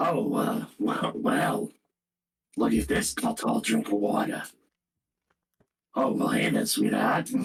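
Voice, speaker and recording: At a fairly slow pace with long, frequent pauses, a raspy put-on character voice speaks at a middle pitch. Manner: flirtatious.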